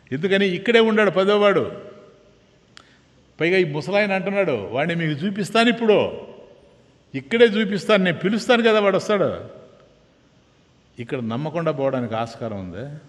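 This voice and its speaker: A middle-aged swami telling a story in a sermon, acting out the voices of its characters. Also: male voice. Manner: acts out the story's voices with lively pitch swings. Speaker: swami giving a discourse. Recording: long hall reverb.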